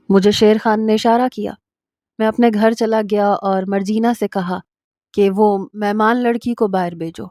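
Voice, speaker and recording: A woman narrating a first-person story in a steady, even reading voice. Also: medium pitch, no room sound, clean studio sound.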